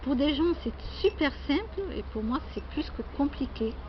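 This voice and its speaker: A woman's voice: sits high, lively intonation, moderate pace. A woman from France chatting casually and at length as a vlogger, exclamatory and self-deprecating, often repeating herself. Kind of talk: casual rambling chat. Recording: muffled lo-fi sound, loud background noise.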